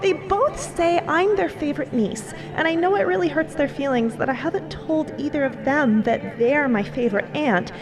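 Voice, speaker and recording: Woman as an anxious, high-voiced young girl. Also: normal speed, hardly any pauses, close to an everyday voice. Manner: rambling, breathless run-on worrying. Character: anxious young niece, a girl, earnest and fretful. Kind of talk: fiction podcast acting.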